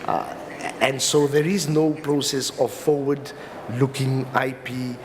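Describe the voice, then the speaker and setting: A man with a South African accent giving an explanatory conference talk as a legal professional, in a halting, hesitant delivery with repeated words. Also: mid-range voice, fairly even intonation. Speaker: company lawyer speaking as a summit panelist. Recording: reverberant hall with clear background noise.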